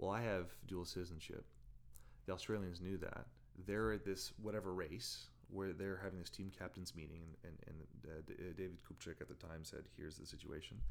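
A man with a Canadian accent speaks at a fairly quick pace, his very deep, low voice showing vocal fry and ordinary pitch variation. Audible room echo surrounds him. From London, Ontario, Canada. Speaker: Olympic bobsledder. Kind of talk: long-form interview. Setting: in person at the hosts' home.

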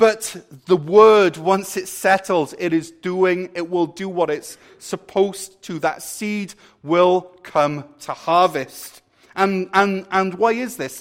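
Very slow speech in a Welsh accent. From Wales. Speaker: preacher. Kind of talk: sermon.

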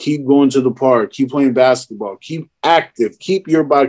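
With an American accent and a normal speaking voice, a man talks at a moderate pace and medium pitch, recorded dry and close with no echo. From US West Coast, Richmond, California. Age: 30s. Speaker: comedian and podcaster, airport baggage handler. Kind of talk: casual interview chat.

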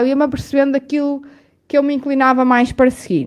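A woman's high-pitched voice. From northern Portugal, Minho (Fafe). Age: 30s. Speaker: podcast host, entrepreneur. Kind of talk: solo monologue, self-introduction.

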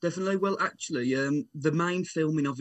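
A man is speaking. His pace is very fast. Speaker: film maker. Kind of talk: casual interview.

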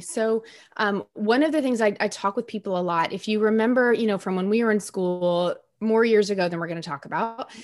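Speaking at a fairly quick clip against a quiet background, a woman with a Midwestern American accent uses a fairly high pitch and ordinary pitch variation. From US Midwest, Nebraska. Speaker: dietitian. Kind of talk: casual chat.

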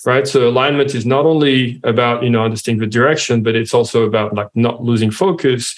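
A man speaks with a French accent at a medium pitch. His pace is fairly quick. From France.

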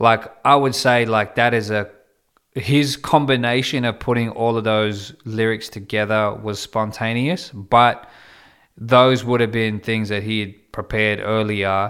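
Speaking with an Australian accent at a fairly slow pace, a man uses a medium pitch and fairly even intonation in a very clean recording with a silent background. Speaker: rapper and producer. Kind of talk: casual chat.

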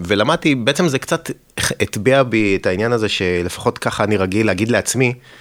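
A man speaks in a plain, everyday voice. His pitch is fairly low and his intonation lively. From northern Israel, Kiryat Shmona. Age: 40s. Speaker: tech innovation executive. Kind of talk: interview.

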